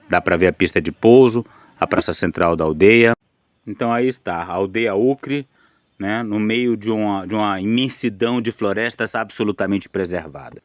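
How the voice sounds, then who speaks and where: Indignant Brazilian man, lively pitch. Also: no echo, clean studio sound. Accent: Brazilian Portuguese. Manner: indignant, with many restarts and tag questions. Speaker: channel host commenting on a newspaper article. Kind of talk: opinionated video commentary.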